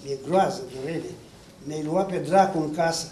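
A man's voice: on the high side, darkish tone, a little hiss or hum, lightly acted. A man doing a fretful, anxious wife. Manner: worried, pleading. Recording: echoey hall from far off.

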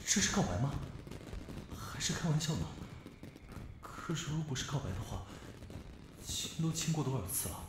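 A man's voice: on the high side, animated, moderate pace, long pauses, background noise, natural voice. An actor playing a flustered, lovestruck young man thinking aloud in a puzzled, questioning way in an amateur audio drama. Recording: very echoey, music underneath.

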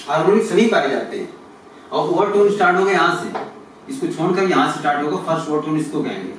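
A man's voice: fairly high pitch, lively intonation, fast. A man teaching physics, working through exam questions and asking and answering his own questions. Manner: addresses students as kids, asks and answers his own questions. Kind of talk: explaining exam solutions. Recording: echoey room, mic far off, noisy.

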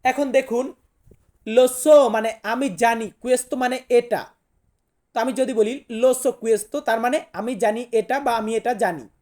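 A woman's voice: fairly high pitch, a little slow, a little mellow. A woman teaching a vocabulary lesson, repeating each word and its meaning and spelling some out. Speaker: language teacher.

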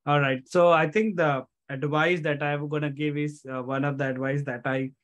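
Higher-pitched Indian-accented man, interviewed. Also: little pitch movement, moderate pace, fairly bright tone. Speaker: guest coach and author. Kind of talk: conversational interview answers. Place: home room on a video call. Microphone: headset.

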